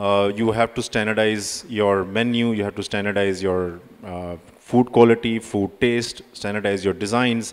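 This man's voice sits fairly low and his intonation is flat and monotone. He keeps a moderate pace. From India. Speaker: kitchen equipment supplier; speaker. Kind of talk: conference talk. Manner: hesitant, many fillers. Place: hall. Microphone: handheld.

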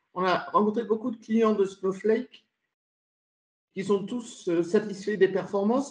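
Faint music plays behind a man whose high-pitched voice moves at a fairly slow pace with fairly even intonation. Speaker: tech journalist, audience member. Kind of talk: audience question. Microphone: video call.

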